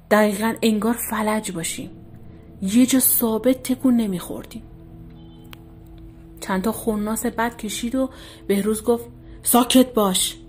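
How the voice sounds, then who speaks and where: A woman narrating a scary story in a hushed, suspenseful way. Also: medium pitch. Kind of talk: scripted horror narration. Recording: faint music behind voice.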